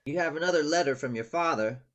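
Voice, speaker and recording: A man's voice: fairly high pitch, quick pace, fairly bright tone, lo-fi sound, close to an everyday voice. A man reading a concerned male advisor in a screenplay table read. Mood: grave, concerned.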